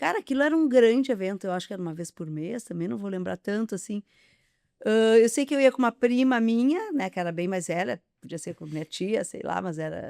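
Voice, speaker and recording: A woman with a dark, mellow tone talks at a fairly quick pace and medium pitch. Her pitch swings very widely, her loudness varies greatly, and the sound is dry and close with no echo. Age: 60s. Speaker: talk show host. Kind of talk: casual interview chat.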